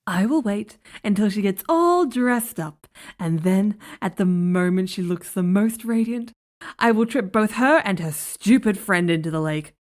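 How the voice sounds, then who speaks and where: A woman's voice: medium pitch, animated, unhurried, a little mellow, natural voice. A woman playing a haughty, spiteful queen in a fantasy audio drama, with an imperious, dramatic delivery.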